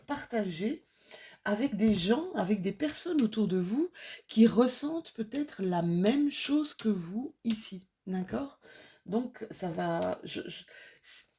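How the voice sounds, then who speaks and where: A woman's voice: medium pitch, animated, slow, mellow, husky. A woman with a slight cold giving an intuitive card reading to her viewers in a soothing, reassuring way, with many fillers and restarts. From France. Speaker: tarot card reader.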